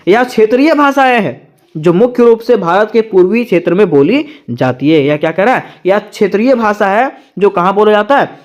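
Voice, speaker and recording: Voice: mid-range voice, expressive, normal speed. A tutor giving an exam-prep lecture, asking rhetorical questions and answering them, repeating each point twice.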